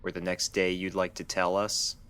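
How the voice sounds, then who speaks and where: A man voicing a guarded male doctor pony questioning a patient in a story reading, stiff and measured. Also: low voice, completely flat delivery, fairly bright tone, clean tone. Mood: guarded, clinical. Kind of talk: dramatized fan fiction reading.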